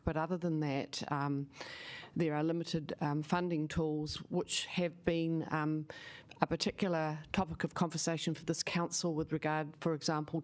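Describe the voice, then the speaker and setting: A middle-aged woman, speaking as a council officer in a formal meeting, measured with many pauses and fillers. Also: low voice, a little mellow.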